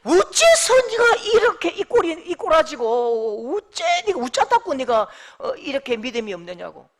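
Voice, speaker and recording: A man voicing Jesus as a man speaking loudly in a dialect. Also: sing-song, normal speed, heavily acted. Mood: rebuking. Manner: loud, exclamatory, high-pitched.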